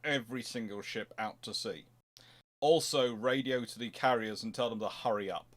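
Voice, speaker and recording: A man hosting an informal livestream history Q&A, explaining in a halting, conversational way with emphatic stresses. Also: mid-range voice, fairly bright tone. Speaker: host answering viewer questions.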